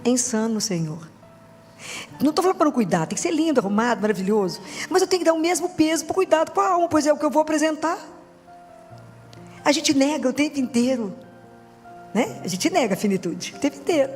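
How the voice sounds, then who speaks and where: A woman's voice: high voice, expressive, fast. A woman preacher with a Brazilian Portuguese accent giving a conversational sermon in colloquial, teasing language, often asking rhetorical questions. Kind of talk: conversational sermon with acted-out dialogue. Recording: long hall reverb with music behind.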